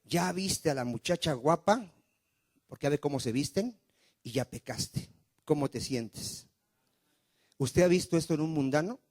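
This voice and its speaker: Pastor preaching a sermon. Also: male voice, fairly high pitch, animated, a little slow, pauses often, a little mellow. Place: church.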